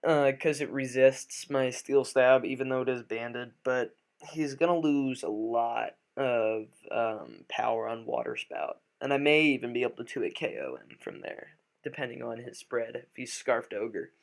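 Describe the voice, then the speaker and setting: A man with a slightly raspy, just-woken-up voice, talking through a game live with many fillers and restarts. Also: mid-range voice, lively intonation, normal speed. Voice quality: a little raspy. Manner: thinks aloud with frequent fillers and restarts. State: just woke up. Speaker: gaming commentator. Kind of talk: live gameplay commentary.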